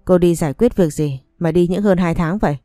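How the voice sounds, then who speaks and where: A blunt, fed-up young husband, cold and reproachful toward his wife, as a woman narrator voices him in an audiobook. The voice sits low and mellow, close and dry. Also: brisk, no room sound, faint music behind, lightly acted. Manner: cold, accusing, flatly reproachful. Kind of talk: audiobook story reading.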